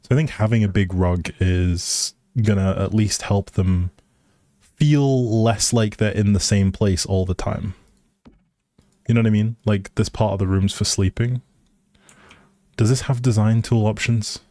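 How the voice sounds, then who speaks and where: A man with a dark, relaxed voice talks at a slow, easy pace, as if streaming a game. He thinks out loud and replies to viewers in casual chat, recorded close and dry. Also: fairly low pitch, dry recording. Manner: thinking aloud, musing, responding to viewers. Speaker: live streamer.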